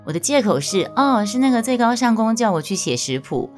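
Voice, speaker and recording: A woman's voice: on the high side, big pitch swings, a little fast, darkish tone, soft background music. A middle-aged woman with a Taiwanese Mandarin accent hosting her own podcast, reading a personal essay in a playful, self-mocking way. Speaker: podcast host.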